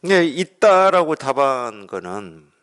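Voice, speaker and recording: Lively-voiced Korean Zen teacher. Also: male voice, medium pitch, slow pace. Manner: conversational, asks rhetorical questions, acts out dialogue. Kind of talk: Buddhist dharma talk.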